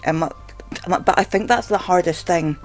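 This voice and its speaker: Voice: medium pitch, fairly quick. Hesitant vlogger with a stammer, music behind. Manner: hesitant, stammering, filler-heavy with frequent "like". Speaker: video blogger. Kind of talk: casual rambling talk to camera.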